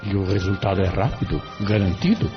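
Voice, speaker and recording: A man voicing a calm, kindly spirit mentor who asks measured questions in an audiobook drama. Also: low voice, close to an everyday voice. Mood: inquiring. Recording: dull lo-fi, distant from mic, music behind.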